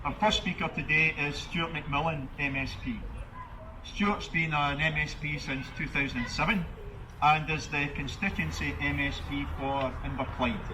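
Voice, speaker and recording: A man hosts a public outdoor ceremony in a measured, formal way, his voice slightly higher than usual. He is caught from far off, and loud traffic and street noise sit under every word. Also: steady tone. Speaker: master of ceremonies at a commemoration.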